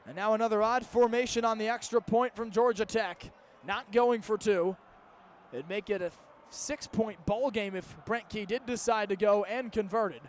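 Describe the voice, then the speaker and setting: A man's voice: high-pitched, fairly even intonation, moderate pace, a little hiss or hum. A man in his early twenties calling live American football play-by-play in the style of a radio broadcast. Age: early 20s. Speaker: play-by-play sports announcer. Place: outdoor stadium broadcast position.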